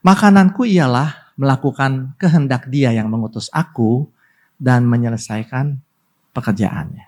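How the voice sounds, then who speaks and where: A man's voice: fairly high pitch, darkish tone. A middle-aged man, preaching a sermon as pastor in a casual, conversational way, acting out little dialogues.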